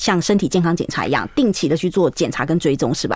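Over music in the background, a woman talks at a very fast pace in a medium pitch. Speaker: substitute radio health show host. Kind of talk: radio health interview.

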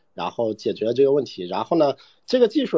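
At a moderate pace, a man speaks with a medium pitch. His pitch swings very widely. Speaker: blockchain developer. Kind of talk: panel discussion. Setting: online audio space.

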